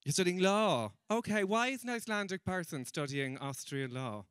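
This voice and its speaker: A man's voice: high-pitched, animated, moderate pace, a bit bright, clear, resonant tone, no echo, studio quality. A young man doing a stand-up comedy set, chatty and teasing with the crowd and laughing at his own jokes. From Ireland. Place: comedy stage in a room with an audience.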